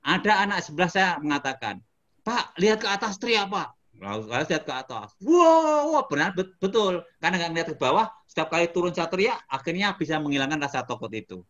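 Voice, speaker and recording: A middle-aged man from Indonesia, a motivational speaker telling a story in a casual interview, animated and breaking into sudden shouts. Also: fairly high pitch, fast talker, hardly any pauses.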